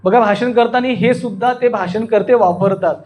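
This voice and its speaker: A man's voice: high-pitched, normal speed, a little mellow. A man with a Maharashtrian accent teaching voice modulation in an interactive lesson, expressively stressing and drawing out words and often putting questions to learners. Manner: questioning, checks that learners follow. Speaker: voice modulation and public speaking coach, anchor. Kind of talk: interactive lesson with spoken demonstrations.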